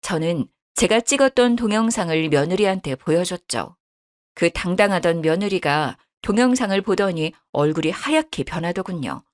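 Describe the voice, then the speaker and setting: A woman's voice: on the low side, animated, moderate pace. A woman in her fifties narrating a true-life story in a radio style. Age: 50s.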